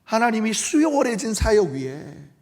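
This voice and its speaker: Middle-aged male pastor with a Gyeongsang accent, lively preaching that swings up high and falls to hushes, echoey church. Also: normal speed. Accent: Gyeongsang Korean. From Gyeongsang region of Korea. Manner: animated, acts out quoted voices, drops to near-whispers. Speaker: senior pastor. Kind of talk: sermon.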